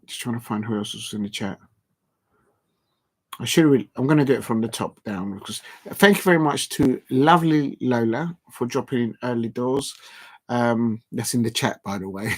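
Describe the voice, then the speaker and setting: Rambling man signing off a stream. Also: mid-range voice. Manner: rambling, filler-heavy, reading out chat shout-outs. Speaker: football watch-along streamer. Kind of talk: casual late-night live stream wrap-up. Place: at home at night with a TV on.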